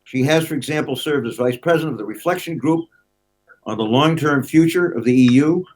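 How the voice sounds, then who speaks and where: An older American man giving formal award remarks by video call, measured and unhurried with frequent pauses. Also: on the high side, darkish tone, low-quality recording. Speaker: award presenter.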